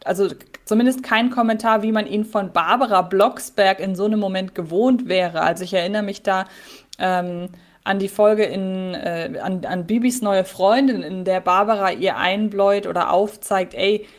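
A woman's voice: medium pitch, steady tone, moderate pace. A woman co-hosting a podcast, reflecting at length in casual chat about a radio play. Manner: reflective, rambling, thinks aloud. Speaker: podcast co-host.

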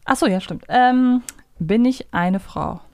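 A woman's voice: mid-range voice, animated, slow, gravelly, a little mellow, no echo. Woman in casual quiz chat, dry close sound. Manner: thinks aloud, asking short questions. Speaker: co-host of a fan quiz show. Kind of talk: casual chat during a guessing game.

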